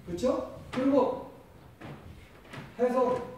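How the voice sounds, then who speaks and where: A man's voice: extremely high pitch, expressive, extremely slow, darkish tone, a little hiss or hum. A middle-aged man giving an informal, instructive classroom demonstration as a teacher, often checking in with his listeners. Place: indoor classroom. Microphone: far camera. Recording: echoey classroom, distant mic, music.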